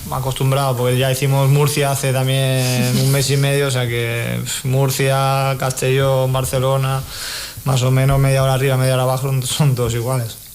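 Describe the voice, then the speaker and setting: A young man, a futsal player, answering radio interview questions in a relaxed, even way, letting out small sighs between points. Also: medium pitch, moderate pace, a little hiss or hum.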